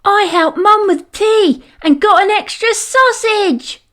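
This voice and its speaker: A woman voicing eager, proud young schoolchildren in a storybook, excitable and sing-song. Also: extremely high pitch, slow, pitched above the performer's own voice, full character voice. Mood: proud, excited.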